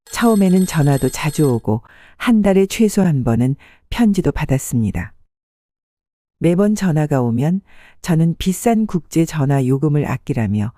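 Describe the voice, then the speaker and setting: A channel host who narrates an audiobook story in the first person, reading in a calm, measured way. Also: mid-range voice, dry recording, studio quality.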